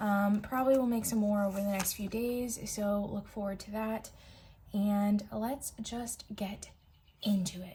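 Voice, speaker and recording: A woman speaks quietly at a medium pitch, her tone dark and mellow and somewhat breathy. Her intonation is monotone and flat, and her pace is fairly slow. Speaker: budgeting YouTuber. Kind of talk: casual vlog talk. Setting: at home, windows open. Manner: speaking quietly.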